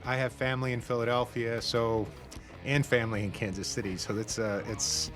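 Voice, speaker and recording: A man's voice: mid-range voice, fairly even intonation, normal speed, a bit bright, soft background music. A man giving a casual, hesitant answer as an interviewee. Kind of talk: casual chat.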